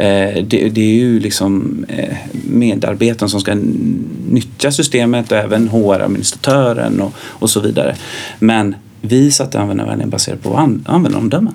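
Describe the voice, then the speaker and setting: This man's fairly low voice, at a moderate pace and with ordinary pitch variation, is heard over noticeable background noise. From Sweden, Gothenburg. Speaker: startup founder, HR software comparison service. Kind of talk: interview.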